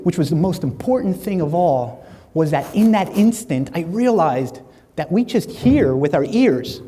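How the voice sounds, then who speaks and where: A man, giving a keynote speech and acting out stories with lively dialogue. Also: mid-range voice, breathy edge, big-room sound. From Latin America, Spanish-speaking. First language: Spanish. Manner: animated storyteller acting out dialogue. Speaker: motivational speaker. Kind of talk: keynote speech to a live audience. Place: large hall.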